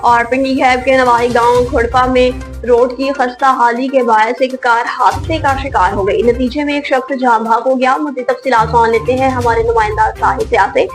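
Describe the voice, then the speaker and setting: A woman from Pakistan reading a regional news bulletin as anchor, in a formal, measured delivery. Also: a little high, fairly even intonation, faint music behind.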